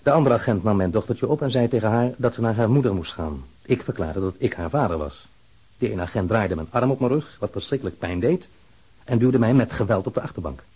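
An actor playing an aggrieved engineer, formally reading out his letter of complaint in a measured way for a radio drama. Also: lowish voice, animated, warm tone, husky.

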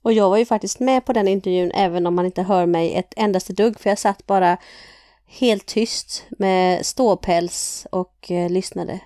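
A woman's voice: medium pitch, fairly even intonation, warm tone, no room sound, studio quality. A woman from Sweden co-hosting a podcast, chatting and teasing her co-host as she sets up a guessing game.

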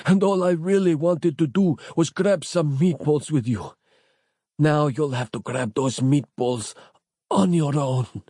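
A man voicing the dying severed head of a gruff male cop, croaking and gasping for breath as he speaks. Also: fairly high pitch, unhurried, mellow, no echo, clean studio sound, voice pushed up.

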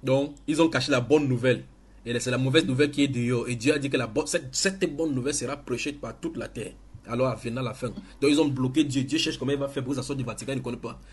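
A man, teaching in church with emphatic, halting delivery full of restarts. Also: mid-range voice, breathy edge. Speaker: preacher.

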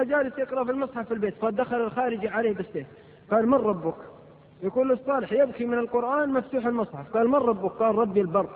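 A man giving an impassioned sermon, rising into loud declamation. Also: extremely high pitch. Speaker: preacher. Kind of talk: fiery sermon. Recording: tinny lo-fi tape in a reverberant hall.

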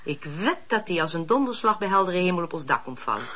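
An actress playing a brisk, opinionated woman in a Dutch radio drama. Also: fairly low pitch, very animated, crowd noise. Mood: brisk, assured. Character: brisk, opinionated woman helper, pious letter-answerer. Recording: dull lo-fi radio play recording.

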